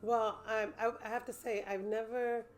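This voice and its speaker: A woman with a low-toned voice, a gospel singer being interviewed, speaking thoughtfully with many pauses and restarts. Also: level tone, faint music behind. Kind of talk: casual interview talk. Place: day spa.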